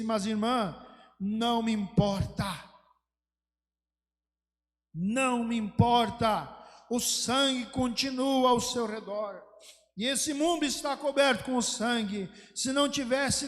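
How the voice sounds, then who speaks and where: High-voiced pastor preaching. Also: male voice, fairly even intonation, measured pace, a bit bright. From Brazil. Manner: fervent storytelling preaching that swells into emphatic exhortation. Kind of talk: sermon. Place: church sanctuary. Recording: long church hall reverb.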